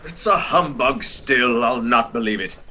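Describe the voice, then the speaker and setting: Bright-voiced man as a crusty old miser. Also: medium pitch, unhurried, a little hiss or hum. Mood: wary, disbelieving. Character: stubborn, sceptical old miser, shaken by fear. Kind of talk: theatrical radio drama acting.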